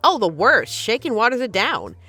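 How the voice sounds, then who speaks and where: A woman's voice: on the high side, wildly swooping pitch, moderate pace, sharp tone, breathy edge, faint music behind, full character voice. A woman playing a flirty, teasing but caring bartender in an intimate, conversational audio roleplay. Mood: caring, wry. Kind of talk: intimate scripted roleplay, ASMR-like.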